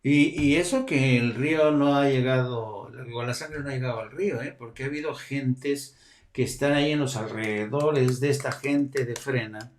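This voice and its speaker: A man's voice: medium pitch, moderate pace, reverberant. A man hosting a live show, talking casually and rambling with many fillers. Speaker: host.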